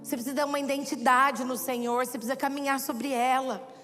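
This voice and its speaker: In a church hall, a woman preacher delivers a sermon full of stories, animatedly acting out the dialogue. Her high voice moves fast with a level tone, set against long hall reverb and soft background music.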